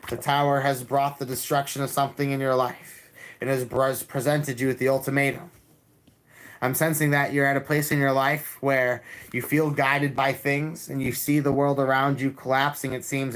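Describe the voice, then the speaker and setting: Male tarot streamer, calm and level delivery, repeats lines, restarts often. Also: medium pitch. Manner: calm, repetitive, with many restarts. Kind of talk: live-stream tarot reading and chat.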